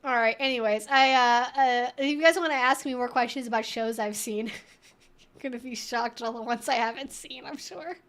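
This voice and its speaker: A woman hosts a casual Q&A livestream, answering viewers in a chatty, rambling style full of informal asides. Her voice is on the high side and a bit bright, at a normal speed.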